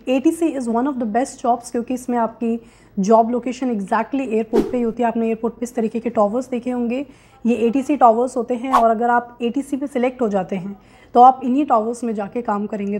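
A woman's voice: fairly high pitch, warm tone. A young adult woman, hosting a career guidance explainer and addressing viewers directly as she mixes in English terms. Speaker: host of career guidance videos. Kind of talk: explainer to camera, mixing Hindi with English terms. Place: small indoor room with curtains, seated.

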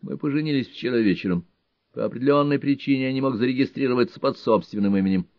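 A man's voice: medium pitch, fast, no room sound, lo-fi sound, pitched above the performer's own voice, lightly acted. A man voicing a cocky young man who talks in a jaunty, grinning, familiar way. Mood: breezy.

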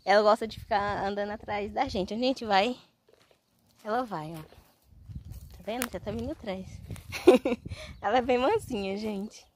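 A woman's voice: medium pitch, moderate pace, long pauses, a little mellow, a little hiss or hum. A woman vlogging outdoors on a farm, chatting away to her viewers as she films on a handheld phone. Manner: chatty, keeps addressing viewers directly. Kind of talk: casual farm vlog. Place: outdoor farmyard with animals.

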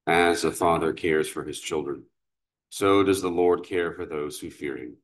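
A man leading morning prayer as a priest, reciting psalms, canticles and the creed in a measured, steady way, recorded from a distance in a large cathedral. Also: low voice. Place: large cathedral sanctuary, indoors. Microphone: far camera. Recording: echoey cathedral room sound.

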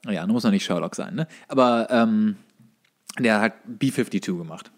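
A man's voice: on the low side, normal speed. A young man co-hosting a podcast, recounting bar anecdotes casually and colloquially, often repeating words as he goes. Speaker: podcast co-host.

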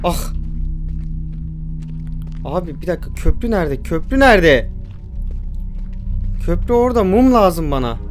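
A man with a high voice and big pitch swings speaks unhurriedly, pausing often, over soft background music as he commentates a horror game he's playing. He's jumpy and easily startled, talking back to the game with joking curses.

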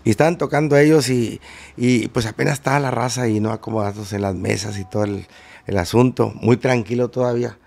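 A man's voice: medium pitch, steady tone, a little fast, darkish tone. A man telling rambling anecdotes as a guest musician in a casual interview, full of fillers and restarts. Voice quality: gravelly.

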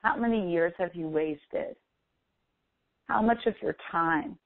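A woman leading a guided meditation as a coach, speaking in a slow, deliberate, instructive manner with long pauses. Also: on the low side, gravelly, no echo. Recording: phone-like thin, band-limited audio.

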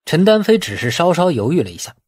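A man reading a novel as a dramatic audiobook narrator, with expressive storytelling. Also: fairly high pitch, fast talker, breathy edge, dry recording, clean studio sound. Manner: expressive storytelling, acting out dialogue.

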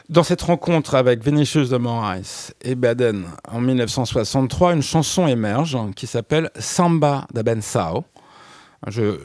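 A man's voice: mid-range voice, a little mellow, no echo. Hesitant man on studio radio. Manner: hesitant, many restarts and fillers. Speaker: radio guest. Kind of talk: radio interview, explaining music history.

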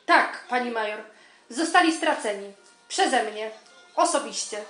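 An actress plays an eager young female army recruit in a radio comedy. Her high voice gives brisk, obedient replies with a straight face. The home recording sounds clearly roomy. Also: animated, fairly bright tone, faint music behind. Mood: eager, deadpan.

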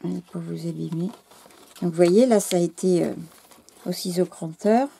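A French woman hosting a scrapbooking channel, gushing in casual chat to camera, halting and losing her words, her voice going hoarse. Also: lowish voice, mellow, a little hiss or hum.

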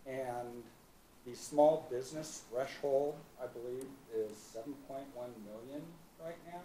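A man's voice: mid-range voice, a little slow, warm tone, a little hiss or hum, poor audio. Chuckling audience man asking questions. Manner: chuckling, self-deprecating. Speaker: audience member, architect.

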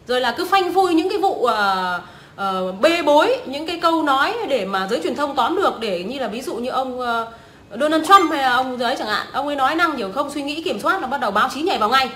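A woman's voice: high voice, bright, forceful tone. A young woman, ranting scornfully and swearing often as a vlogger. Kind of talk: profane ranting commentary. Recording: echoey room.

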